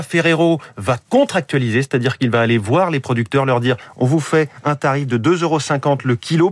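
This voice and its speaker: Male radio columnist, dry studio mic, lively and chatty, quizzes host. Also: medium pitch, dry recording. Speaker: economics columnist. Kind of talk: radio economics segment. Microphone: studio microphone.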